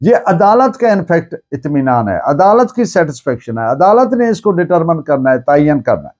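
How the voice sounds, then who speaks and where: A man with a Pakistani accent giving an explanatory law lecture, deliberate and restating key points in other words. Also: a little high, very animated, a little mellow. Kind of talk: explanatory lecture with dictated case citations.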